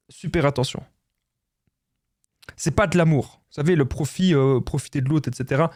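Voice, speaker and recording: A man's voice: a little high, darkish tone, no room sound, studio quality. A man with a Belgian French accent giving relationship advice straight to his viewers, insistent and repetitive, often calling them his friends. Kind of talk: direct-to-camera advice talk.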